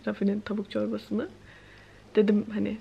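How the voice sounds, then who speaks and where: A woman's voice: medium pitch, completely flat delivery, normal speed, gravelly, husky, highs cut off. A woman, chatting casually to the camera in a giggly, hesitant way. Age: late twenties. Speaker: vlogger. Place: bright living room with plants by windows; some clips in a mall and restaurant. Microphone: camera at arm's length. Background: music.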